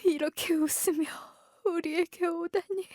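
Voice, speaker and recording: A woman's voice: very high voice, fairly even intonation, unhurried, darkish tone, no room sound, studio quality. A woman playing a loving, tender mother in an audio drama, speaking with grateful emotion. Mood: tender, moved.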